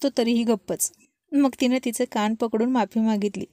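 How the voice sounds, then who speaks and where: A woman storyteller narrating a love story in an expressive read-aloud manner. Her voice sits fairly high and is mellow. The recording is dry and close. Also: moderate pace, dry recording.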